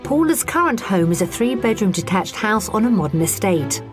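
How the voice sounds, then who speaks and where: A woman presenter giving measured, informative scripted voice-over for a television property programme. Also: mid-range voice, very animated. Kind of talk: scripted TV narration. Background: background music.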